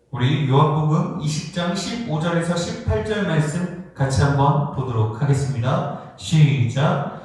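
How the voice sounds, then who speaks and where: A man preaching a sermon as a youth pastor, earnest and often calling out to his listeners. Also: a little high. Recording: echoey hall from far off.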